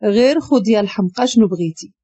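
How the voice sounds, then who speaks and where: A woman's voice: medium pitch, lively intonation, quick pace, dark tone, slightly rough, no echo. A woman with a Moroccan accent voicing a brusque but caring young man in a spoken story. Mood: teasing.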